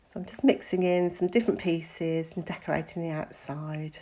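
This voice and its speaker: A middle-aged woman hosts a craft tutorial, her voice croaky from a recent illness. She chats along casually and fills her pauses with ums. Her tone is low and mellow. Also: flat delivery. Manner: chatty, with frequent ums.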